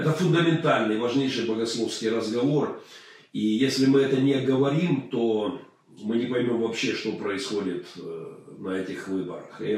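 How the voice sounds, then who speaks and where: In a room with audible echo, a man speaks at a medium pitch with ordinary pitch variation and long, frequent pauses. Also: moderate pace. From Ukraine. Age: 50s. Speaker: pastor. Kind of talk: live stream Q&A. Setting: home office.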